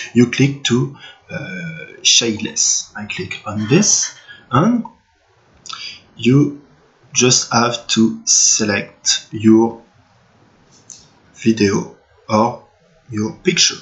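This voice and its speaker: With a non-native accent, a man speaks at a very slow pace, leaving long, frequent pauses. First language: not English. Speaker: software tutorial maker. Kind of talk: tutorial. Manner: halting, many fillers.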